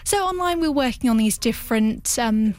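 Woman interpreter, fairly high voice, measured delivery with pauses, studio interview. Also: animated, a little mellow. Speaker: sign language interpreter voicing a guest. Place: radio studio.

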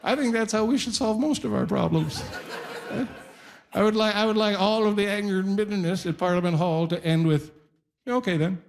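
A man's voice: sits high, normal speed, creaky. A man doing a stand-up comedy set, acting out both sides of an exchange. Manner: acts out both sides of a dialogue.

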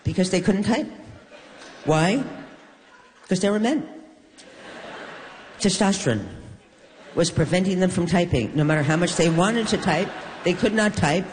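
An older woman from New York, a guest in an onstage conversation, telling stories with wry, deadpan humor. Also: fairly low pitch, unhurried, long pauses, a little hiss or hum. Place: stage in a hall. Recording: long reverb of a large hall.

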